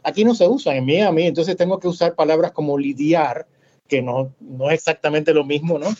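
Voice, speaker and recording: Man w/ mixed puerto rican and cuban accent, academic panel talk, pauses and eh's everywhere, kinda lo-fi sound. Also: fairly high pitch, a little mellow. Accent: mixed Puerto Rican and Cuban Spanish. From Puerto Rico. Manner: halting, many filler "eh"s. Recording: slightly dull lo-fi audio.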